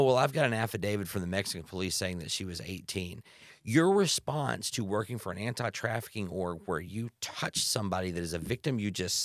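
Male interviewee, very low voice, dry sound, emphatic, opinionated delivery. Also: fairly bright tone, no echo. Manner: emphatic, opinionated, stresses key words with rhetorical questions and mimicked quotes. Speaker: guest speaking on anti-trafficking work. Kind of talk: impassioned interview talk.

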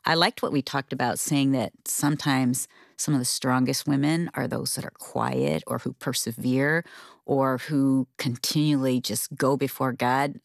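A woman's voice: rumbling low, measured pace, creaky, no room sound, clean studio sound. A middle-aged woman co-hosting a faith-based marriage show, talking earnestly and candidly about her feelings. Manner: heartfelt and candid, speaks openly about feelings. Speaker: co-host of a marriage radio show.

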